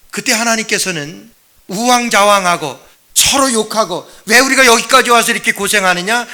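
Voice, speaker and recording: Bright-voiced pastor preaching emphatically. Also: male voice, high voice. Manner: emphatic, asks the congregation questions and answers them; drops to a quiet, rambling aside when telling a personal story. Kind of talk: sermon.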